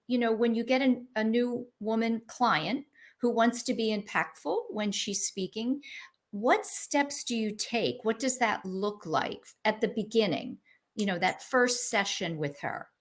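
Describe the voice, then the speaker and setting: A woman hosting a podcast, asking questions in a conversational, halting way. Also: on the high side. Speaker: podcast host. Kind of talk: interview questions.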